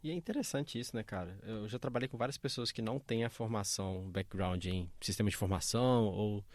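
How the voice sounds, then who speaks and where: A man's voice: lowish voice, fast talker, darkish tone, no room sound. A man hosting a podcast, upbeat and friendly as he asks open questions. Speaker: podcast host. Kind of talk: podcast interviewing.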